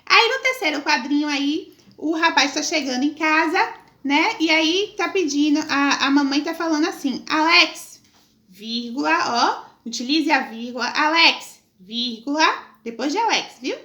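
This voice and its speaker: A woman's voice: sits high, animated, normal speed, sharp tone. A woman teacher from Northeast Brazil, talking affectionately to young children in a video lesson and stretching her words for them. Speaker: primary school teacher.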